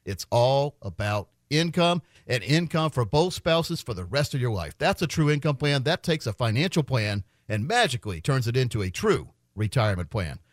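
A middle-aged man hosting a financial radio show, making a folksy infomercial sales pitch straight to the listeners. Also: very animated, normal speed, few pauses, no echo, clean studio sound. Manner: folksy, addresses listeners directly. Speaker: financial radio show host, retirement adviser.

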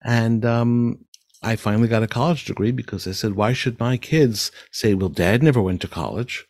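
A man's voice: medium pitch, moderate pace, a little mellow, no room sound, studio quality. An older man with a nasal voice, a musical director who tells stories with enthusiasm and reflection in an interview. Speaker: musical director and speech therapist. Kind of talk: interview answers.

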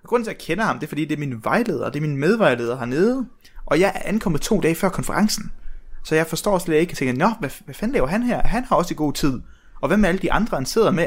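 A young man telling a long anecdote in casual podcast chat, rambling with many restarts and frequent laughter. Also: on the high side. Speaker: podcast guest, researcher.

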